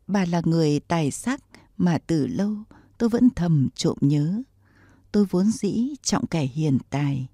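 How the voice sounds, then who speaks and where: Smug scheming official guy, wheedly and sly, low husky voice read by a woman, dry close sound. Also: expressive, a little slow, dark tone, no echo, full character voice. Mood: wheedling. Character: scheming ambitious male court official.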